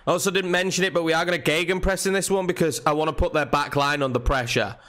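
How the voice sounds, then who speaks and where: A young man with a fairly high voice, a touch nasal and croaky from a cold. He commentates his own football video game in a chatty, easygoing way from a desk at home, lifting his voice when a chance comes. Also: fairly even intonation, quick pace, a bit bright. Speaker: gaming channel host. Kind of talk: casual gameplay commentary.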